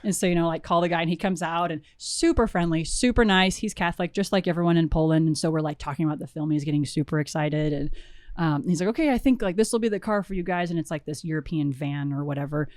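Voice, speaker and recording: A young woman, a film producer, telling stories in a casual interview, animated and full of fillers and restarts. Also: low voice, fast, no room sound, studio quality.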